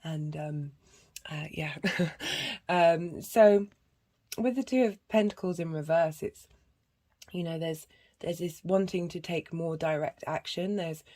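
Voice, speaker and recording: A woman with a husky voice and a cough, giving a rambling casual tarot and astrology reading full of fillers and restarts. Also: sits low, slow, warm tone. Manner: meandering, many fillers and restarts. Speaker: tarot reader.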